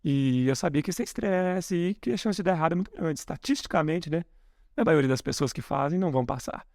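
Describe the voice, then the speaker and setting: A software engineer from Belo Horizonte, Brazil, around forty, joins a casual podcast as a guest. His voice is a little high, with vocal fry, and he talks fast. He's relaxed and thoughtful, chuckling softly and frequently correcting himself mid-sentence.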